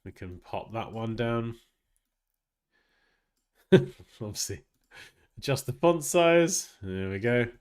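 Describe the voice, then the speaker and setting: A graphic design streamer speaks slowly and animatedly in a smooth, medium-pitched voice, leaving long pauses. He chats casually and thinks aloud as he works, his blocked nose making him nasal and sniffly.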